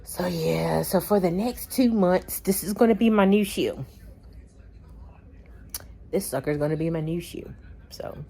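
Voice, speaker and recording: A woman's voice: lowish voice, measured pace, creaky, pauses often, mellow. A woman chatting casually in a vlog, laughing often and acting out bits of her story. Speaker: vlogger.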